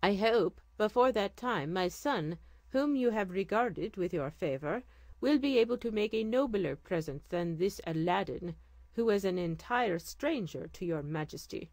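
A woman voicing a deferential, scheming male grand vizier in a measured, courtly manner. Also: medium pitch, expressive, darkish tone, no echo.

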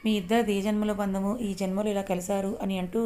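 A woman's voice: mid-range voice, little pitch movement, fast talker, mellow, slight background noise, close to an everyday voice. A woman voicing a middle-aged mother who consoles her daughter. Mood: consoling.

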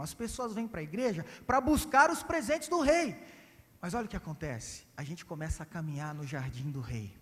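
Brazilian male pastor, lively story sermon, high voice, church reverb. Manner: animated, swinging between loud and hushed. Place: church sanctuary.

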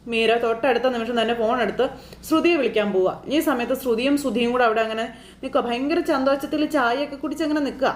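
A woman with a fairly high voice retells a TV serial episode in a chatty, animated way. She keeps tossing friendly asides to the listener. Her voice rings in a noticeably echoey room. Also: fast talker. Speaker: serial recap storyteller.

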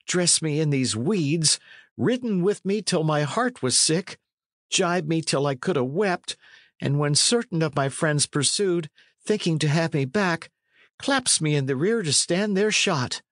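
A man's voice: on the high side, expressive, unhurried, fairly bright tone, no room sound, studio quality, pitched above the performer's own voice. A man voicing a plaintive, delicate but proud young runaway in a storybook, in courtly pleading archaic speech. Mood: aggrieved. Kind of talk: storybook character reading.

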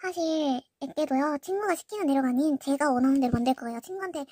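A woman's voice: high-pitched, fast, warm tone, dry recording, clean studio sound. A teenage girl hosting a video, chatting casually with a friend and narrating to viewers. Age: teens, about middle-school graduation age. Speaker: host of a slime-making prank video.

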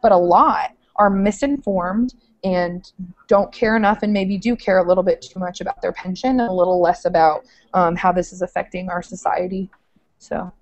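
A woman's voice: lowish voice, steady tone, normal speed, a little mellow, no room sound. A young woman teacher on a video call, talking eagerly with many filler words from a small room with bookshelves, through an earphone headset. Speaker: social studies teacher.

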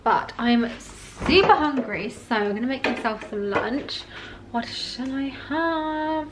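A young British woman chatting casually to camera at home in a relaxed, gushing way as a lifestyle vlogger. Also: sits high, takes it slowly, very noisy. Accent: British English. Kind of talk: casual vlog chat to camera. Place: at home in an apartment.

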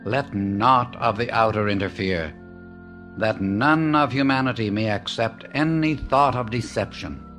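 A man reading a devotional book aloud as an audiobook narrator, in a measured, reverent way with long pauses. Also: medium pitch, fairly bright tone, faint music behind. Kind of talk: slow, solemn reading of devotional text.

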